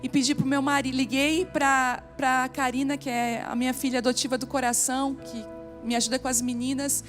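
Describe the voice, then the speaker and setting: A woman's voice: sits high, flat delivery, brisk, faint music behind. A middle-aged Brazilian woman pastor preaching at a women's conference, telling personal stories and building to emphatic exhortation. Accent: Brazilian Portuguese. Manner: emotional, personal storytelling, rising to emphatic preaching. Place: church conference stage.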